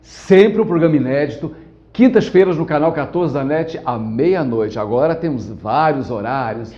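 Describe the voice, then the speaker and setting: Excitable Carioca TV host man. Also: on the high side, moderate pace, dull audio. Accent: Carioca Portuguese. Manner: chatty, exclamatory, talks straight to viewers. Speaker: TV show host. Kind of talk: lively TV show opening.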